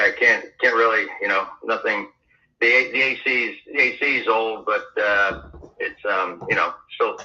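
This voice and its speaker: The caller, a man selling his home, speaks in a lowish voice with a sharp edge. He comes across hesitant, restarting often and leaning on fillers, all through a tinny phone connection.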